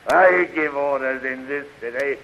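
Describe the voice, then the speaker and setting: A man's voice: on the high side, full character voice. An actor playing a pompous, gloating, chuckling king of winged warriors in a 1930s radio serial, on a muffled, hissy recording. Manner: slow, pompous, lecherous chuckling. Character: gloating, laughing male king of the Hawkmen.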